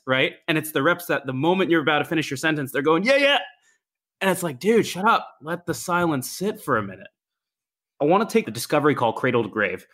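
A male podcast host speaking at a middle pitch in a relaxed, conversational way. He mixes a coaching story with questions that lead the interview on.

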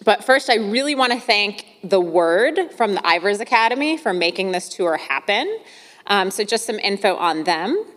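A woman's voice: medium pitch, lively intonation, normal speed, fairly bright tone. A woman with a Midwestern American accent hosting a podcast, talking in an enthusiastic, chatty way with fillers. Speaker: podcast host. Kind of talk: podcast intro monologue. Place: arts centre venue. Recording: long hall reverb.

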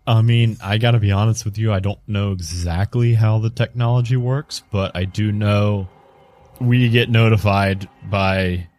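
A man's voice: on the low side, steady tone, measured pace, darkish tone, lightly acted. A man voicing an evasive male mission handler in a tabletop game who rambles and hesitates, with many restarts.

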